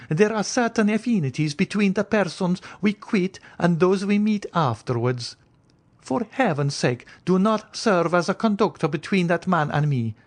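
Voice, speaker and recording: A man's voice: high-pitched, voice pushed up. A man voicing a frightened, imperious Italian countess in an audiobook, speaking with dramatic emphasis and formal, old-fashioned phrasing. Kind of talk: audiobook character acting.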